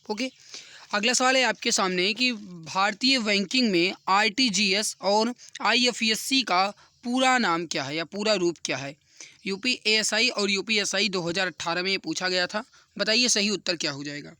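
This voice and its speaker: A man with a high, bright, forceful voice teaches an exam class. He works through quiz questions step by step and repeats key answers for emphasis. The sound is dry and close. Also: normal speed, no echo. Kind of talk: explanatory quiz lesson for exam students.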